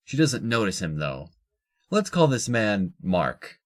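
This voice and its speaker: Deep-voiced male story narrator. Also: big pitch swings, slow. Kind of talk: scripted audio drama narration.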